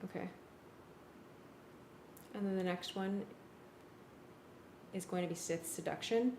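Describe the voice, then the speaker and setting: A woman's voice: lowish voice, takes it slowly, a little mellow. A woman talking casually as she works through music arrangements with a collaborator. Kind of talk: casual working discussion. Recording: echoey room, clear background noise.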